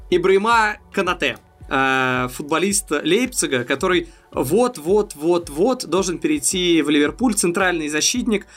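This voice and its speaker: Guy with a higher voice on a football podcast, thinks out loud, lots of "uh"s, faint music behind. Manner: thoughtful and analytical, with hesitant fillers. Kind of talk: casual chat.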